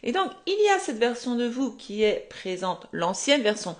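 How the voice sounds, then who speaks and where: Higher-voiced woman coaching live. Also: sing-song, moderate pace. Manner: conversational, explains with rhetorical questions and acted-out quotes. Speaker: manifestation coach. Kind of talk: live-streamed talk to viewers. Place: home.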